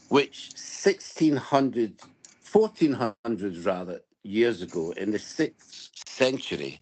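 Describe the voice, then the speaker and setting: Low-voiced Scottish man telling stories. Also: low-quality recording. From Scotland. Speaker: guest. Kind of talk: relaxed interview conversation.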